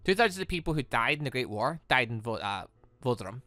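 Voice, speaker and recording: Bright-voiced man reading game dialogue, stumbling. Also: medium pitch, sing-song, no echo. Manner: halting, stumbling over words and correcting himself. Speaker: gaming video host. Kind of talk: reading visual novel dialogue aloud.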